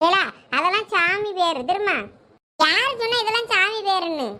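A woman's voice: very high voice, normal speed, pushed and bright. A woman playing an opinionated village aunt, scolding and bantering in a comic sketch.

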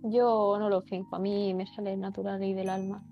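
A woman's voice: mid-range voice, level tone, muffled recording, faint music behind. A young woman from Asturias, a streamer chatting frankly and casually while playing, swearing now and then. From Asturias, Spain. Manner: frank, talks fast when heated, swears casually. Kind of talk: casual chat while gaming.

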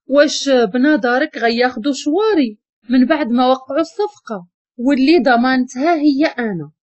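A woman's voice: sits high, moderate pace, a little mellow, no echo. A woman voicing a young bride-to-be who is tearful, angry and defiant, with a Moroccan accent. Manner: angry, snapping. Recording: dull lo-fi recording.

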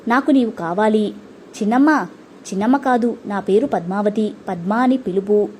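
A woman's voice: mid-range voice, moderate pace, darkish tone, slight background noise, close to an everyday voice. A woman voicing a spirited, affectionate teenage landowner's daughter in a storybook, speaking insistently. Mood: pleading.

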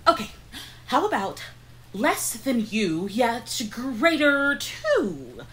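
A stressed out earnest witch, high voice, swoops around a lot, comedy radio play. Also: huge pitch swings, slow pace, a bit bright, exaggerated voice. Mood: brainstorming. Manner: fretful, emphatic, dramatic. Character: anxious, earnest witch fretting over a prophecy. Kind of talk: comedic audio drama acting. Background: storm ambience.

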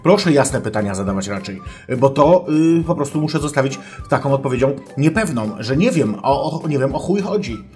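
A man's voice: mid-range voice, animated, brisk, few pauses, darkish tone, close to an everyday voice. A man playing a pompous, crude self-styled female sex therapist, lecturing in mock-scholarly tones and swearing, over faint background music. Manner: mock-scholarly lecturing, keeps addressing the audience formally, swears. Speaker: advice-show host. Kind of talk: comic character monologue.

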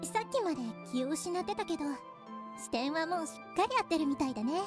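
A woman's voice: very high voice, animated, very fast. A woman playing a caring, easygoing teenage girl in an anime visual novel game. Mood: gently concerned. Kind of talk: Japanese visual novel voice acting. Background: game music.

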